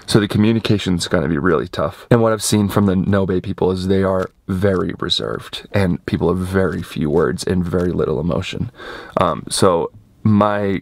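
A man's voice: sits low, gravelly. A young man talking earnestly to a camera he holds at arm's length, outdoors and in a car. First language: English. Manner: earnest, talks straight to camera. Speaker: vlogger, coffee company founder. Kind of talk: casual vlog to camera. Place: outdoors on a rural road and in a car, then a village.

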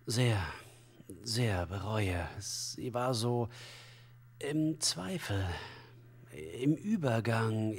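An esoteric commune leader in a crime radio play. He is unctuous and evasive, halting and solemn in his flowery talk. The husky voice swings widely in pitch under long reverb. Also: full character voice. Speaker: suspect under police questioning. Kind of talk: crime radio drama acting.

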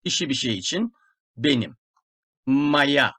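Slow, deliberate male language teacher. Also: medium pitch, very animated, a bit bright. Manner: repeats words slowly and clearly for learners.

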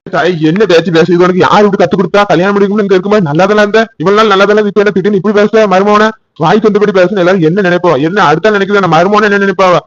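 A man's voice: high-pitched, steady tone, very fast, no room sound, muffled recording, natural voice. A man voicing a stern but soothing middle-aged village father in a cartoon, with a Tirunelveli Tamil accent and a lecturing, reproachful manner.

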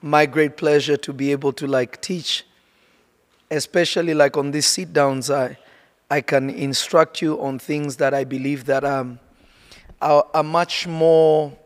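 A man, a prophet and pastor, greeting viewers in a relaxed, halting teaching talk with many fillers. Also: on the high side, long reverb tail.

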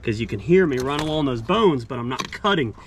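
A fishing and cooking vlogger narrates casually as he works, explaining each step like a teacher. His mid-range voice is expressive and fairly quick, captured by noisy action-camera audio outdoors and in the kitchen.

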